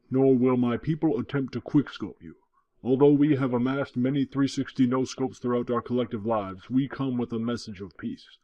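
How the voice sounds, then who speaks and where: A man's voice: medium pitch, no room sound, lightly acted. A man doing a crude gamer alien envoy. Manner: formal speech mixed with crude slang. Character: male alien diplomat talking in gamer slang. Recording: dull lo-fi dry recording.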